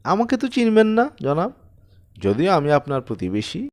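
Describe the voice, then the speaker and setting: A man's voice: fairly high pitch, huge pitch swings, normal speed, darkish tone, voice pushed up. A man voicing a very polite, mysterious neighbour with a thin voice in an audiobook story. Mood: polite, timid. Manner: very polite, formal.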